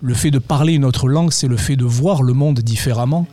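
A man who teaches English, giving measured interview answers with frequent restarts. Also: medium pitch, mellow. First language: French and Arabic. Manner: measured, many restarts and hedges. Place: high school.

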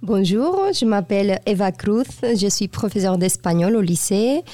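A woman teacher from Spain whose first language is Spanish speaks earnestly and a little formally. Her voice is mellow and warm, recorded close and dry. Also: mid-range voice, lively intonation, moderate pace, no room sound.

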